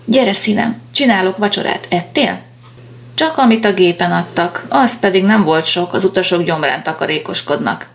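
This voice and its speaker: A woman's voice: lowish voice, close to an everyday voice. A woman reading aloud as an affectionate woman in her thirties. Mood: tender.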